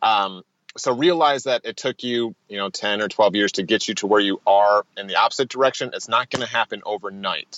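Delivered at a fairly quick pace, this is a normal speaking voice with ordinary pitch variation. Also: man, medium pitch for a man. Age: 30s. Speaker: personal trainer. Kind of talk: casual interview.

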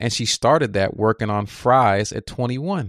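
A normal speaking voice with an American accent at a moderate pace, dry and close with no echo, on a very clean recording with a silent background. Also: man. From Texas. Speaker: podcast host. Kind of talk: podcast intro; interview.

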